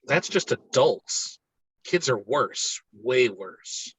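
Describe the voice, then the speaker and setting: A man's voice: mid-range voice, animated, drawn-out words, fairly bright tone, breathy edge, dry recording, heavily acted. A man reading an earnest, awkward, bookish new-kid boy in a screenplay table read, with hesitant, informative delivery. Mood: guarded, earnest.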